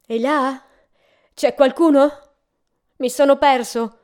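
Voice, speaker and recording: A woman's voice: high voice, steady tone, takes it slowly, a little mellow, voice pushed up. A woman reading a storybook aloud and voicing a lost, cold male traveler who pleads and calls out eagerly. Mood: pleading. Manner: pleading, eager, slightly raised voice.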